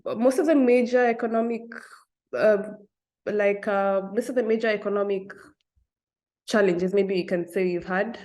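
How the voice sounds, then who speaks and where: A woman's voice: medium pitch, darkish tone. A young Kenyan woman with a Kenyan accent, answering interview questions thoughtfully, with many fillers and small laughs. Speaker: guest. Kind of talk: interview conversation.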